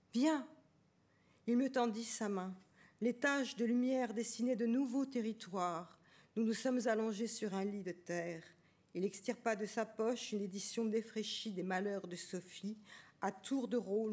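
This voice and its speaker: Woman, memoir reading, measured, intimate, first person, literary stage. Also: medium pitch, darkish tone. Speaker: reader of a memoir.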